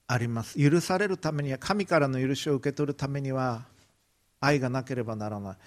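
Japanese pastor retelling a Bible story. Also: male voice, medium pitch. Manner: vivid retelling, briefly acting out quoted lines. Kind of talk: sermon storytelling.

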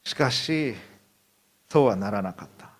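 A man's voice: medium pitch, animated, measured pace. A male pastor preaching a sermon, telling a story and acting out the people in it. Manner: storytelling, acts out quotes.

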